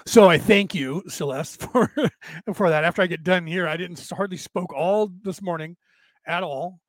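A man with a raspy, tired, worn-out voice, talking casually and haltingly as he hosts a rambling livestream and answers listeners. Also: sits high, no room sound. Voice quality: raspy, damaged-sounding voice from long-standing vocal cord trouble. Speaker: host of a spiritual talk livestream.

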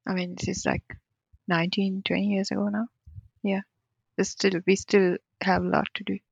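A woman's voice: medium pitch, level tone, moderate pace, creaky, breathy edge, no room sound. Candid woman guest with a muffled sound. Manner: candid, laughs often, non-native phrasing. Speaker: cybersecurity professional, podcast guest. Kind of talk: reflective interview answers.

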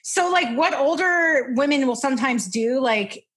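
A woman's voice: high voice, animated, a little slow, fairly bright tone. A woman in her twenties, a podcast guest chatting casually, rambling and interrupting herself. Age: 20s. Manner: rambling, self-interrupting, laughing. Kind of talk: casual chat.

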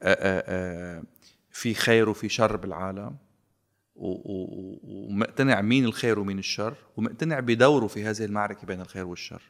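A man with a Lebanese Arabic accent, talking politics in a casual, sarcastic, animated way and slipping into English phrases. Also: on the low side, quick pace. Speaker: guest commentator.

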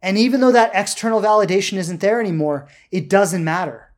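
A spiritual self-help coach speaks off the cuff in a medium-pitched voice. The delivery is emphatic and deliberate, with key words stretched out and little rhetorical check-ins along the way. It is a motivational talk.

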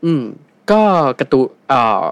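A man telling a story casually as a guest, relaxed, with many fillers. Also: a little slow, no room sound.

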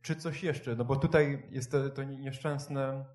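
A man's voice: mid-range voice, fairly even intonation, darkish tone. A man leading a panel discussion, posing careful and analytical questions. His voice sits in an ordinary middle range, and the recording carries a noticeable echo from the room. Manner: measured and analytical. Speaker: moderator. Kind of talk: moderated discussion. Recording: roomy echo.

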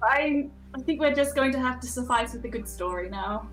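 High-voiced woman gaming, roomy echo. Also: a little fast, a bit bright, faint music behind. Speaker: tabletop game player. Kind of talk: casual chat.

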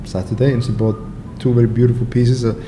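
A relaxed, wry middle-aged man whose native language is Icelandic. He speaks in English as an interview guest, joking at his own expense. His voice sits at a medium pitch in a roomy space with a clear background hum. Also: fast talker. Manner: relaxed, wry, self-deprecating, laughs often. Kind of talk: casual conversational interview.

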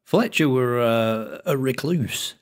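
A man voicing an older male collector with a thick Lancashire accent, speaking in a slow, droning storytelling way. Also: medium pitch, animated, pitched above the performer's own voice.

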